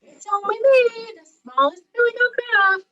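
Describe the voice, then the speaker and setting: A woman's voice: steady tone, normal speed, bright, forceful tone, highs cut off. A woman voicing a tiny young male billy goat from a storybook, timid and pleading in a little voice. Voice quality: tiny, high voice.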